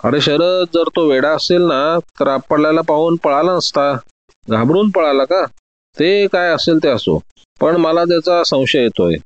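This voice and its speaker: A man's voice: a little high, unhurried, no echo, muffled recording, lightly acted. A man doing a hot-tempered police inspector. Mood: insistent. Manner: blustering, shouting demands.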